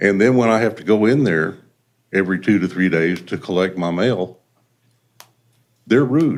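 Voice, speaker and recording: A man speaks with a Texan accent at a fairly low pitch. His pace is moderate, broken by long, frequent pauses. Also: ordinary pitch variation. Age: 60s. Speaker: retired firefighter, public commenter. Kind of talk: public comment at council meeting. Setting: city council meeting.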